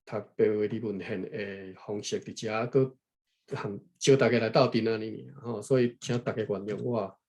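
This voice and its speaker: A man from Taiwan reading a history book aloud unscripted, thinking aloud, pausing to look up words and adding frequent tag particles. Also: on the low side, steady tone, darkish tone. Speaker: reader explaining a history book to viewers. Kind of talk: unscripted read-aloud with running commentary.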